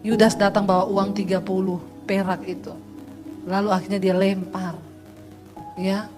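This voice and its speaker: A middle-aged woman pastor giving a lively sermon, telling stories with humor. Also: medium pitch, a little slow, over music. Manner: lively preaching with storytelling and humor.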